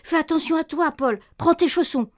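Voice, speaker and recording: An actress playing an anxious, insistent wife in a radio play, fretting over noises at night. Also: female voice, high-pitched, normal speed, lightly acted. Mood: fretful, nagging. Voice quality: insistent, fretful. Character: anxious, insistent wife, worried, sharp-tongued.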